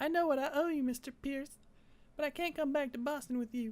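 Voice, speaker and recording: Putting on a character voice, a man pushes his pitch extremely high. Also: fairly quick pace. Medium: fan dub. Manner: solemn.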